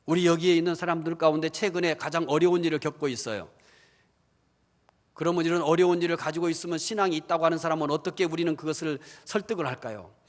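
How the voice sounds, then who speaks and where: A male pastor preaching a sermon, animated, asking the congregation questions and acting out believers' inner voices. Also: on the high side, quick pace. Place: church hall. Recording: church hall reverb.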